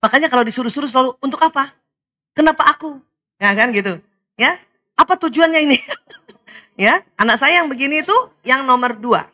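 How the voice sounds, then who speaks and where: A middle-aged woman lecturing to mothers in a lively seminar talk. She laughs often and keeps asking the audience questions. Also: high-pitched, fast.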